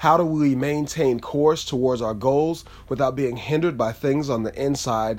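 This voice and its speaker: In a plain, everyday voice, a man talks at a fairly slow pace with medium pitch and fairly even intonation on a very clean recording with a silent background. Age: 30s. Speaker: motivational podcast host. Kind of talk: motivational monologue.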